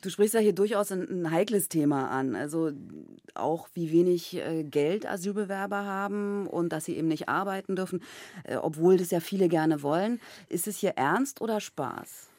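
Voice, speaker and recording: A woman interviewer asking questions in a measured way with small hesitations. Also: fairly low pitch, mellow, dry recording.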